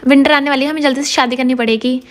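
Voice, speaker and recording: A woman's voice: sits high, fairly even intonation, rapid-fire, close to an everyday voice. A woman reading as a possessive young lover. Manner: possessive, pleading.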